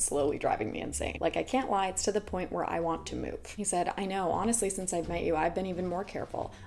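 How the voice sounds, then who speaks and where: A woman talks quietly at a very fast pace. Her pitch is fairly low, with ordinary variation. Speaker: YouTuber. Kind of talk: storytime vlog. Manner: animated.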